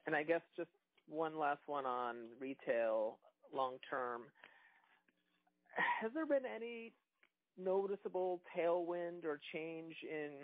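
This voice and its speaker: A man's voice: fairly high pitch, no room sound. A man on a phone conference call asking an analyst's questions in a hesitant, meandering way. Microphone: telephone conference call. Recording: tinny phone line.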